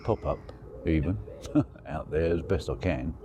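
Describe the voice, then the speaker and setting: Very low, croaky man outdoors. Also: unhurried. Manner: relaxed, rambling, thinking aloud. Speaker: angler vlogger. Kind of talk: casual spoken fishing diary. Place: outdoors at a lake bank. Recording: outdoor recording with clear background noise.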